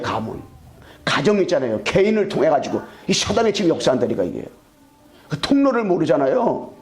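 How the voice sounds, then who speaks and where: A man preaching a fervent sermon as pastor, repeating himself and calling out to the congregation. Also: high voice. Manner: fervent, repetitive, calls out to the congregation; acts out God's voice scolding.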